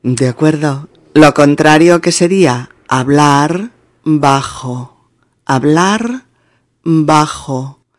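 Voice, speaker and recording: A woman's voice: deep voice, extremely slow, dry recording, clean studio sound. A woman with a Spain Spanish accent hosting a teaching podcast, repeating words and spelling them out letter by letter.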